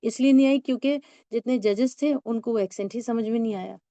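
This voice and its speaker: A woman teacher takes learners through English sentences. She explains with patience and reads each sentence out slowly, word by word. Her voice is warm and mellow, recorded close and dry. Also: fairly high pitch, dry recording. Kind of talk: spoken English lesson.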